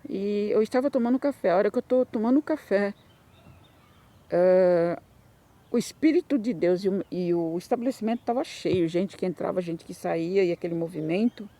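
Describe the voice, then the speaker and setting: A woman's voice: mid-range voice, normal speed, mellow. A woman with a Brazilian Portuguese accent giving a Christian testimony, telling her story in an emotional, repetitive way that rises into fervent bursts.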